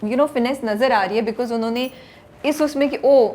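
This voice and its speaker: A woman hosting an interview, asking questions in a warm, encouraging way, often murmuring agreement and mixing English phrases into her speech. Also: fairly high pitch, normal speed. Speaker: interview host. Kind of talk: casual interview chat.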